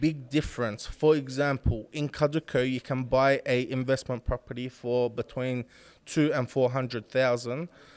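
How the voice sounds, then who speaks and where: Speaking with an Australian accent, a man at a medium pitch keeps a moderate pace and fairly even intonation in a very clean recording with a silent background. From Sydney, Australia. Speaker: real estate consultant, former property investor. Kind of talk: interview. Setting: office.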